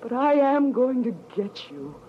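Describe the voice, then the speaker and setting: An actress playing a bitter, half-crazed widow bent on revenge in a 1940s radio crime drama, theatrical, scornful and menacing. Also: female voice, high voice, very animated, unhurried. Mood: menacing, unhinged. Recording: muffled old radio recording, faint hiss.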